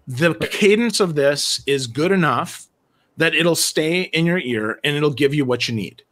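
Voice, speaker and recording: A man co-hosting a casual live-streamed talk show over a video call, blunt and full of quick asides. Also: a little high, expressive, fairly bright tone. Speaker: co-host.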